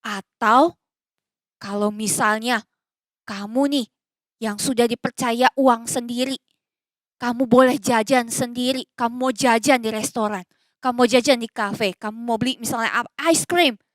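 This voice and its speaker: A woman giving a children's sermon, animated and coaxing with questions, mixing in English phrases. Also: fairly high pitch, measured pace, no room sound. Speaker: children's church teacher. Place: church recording.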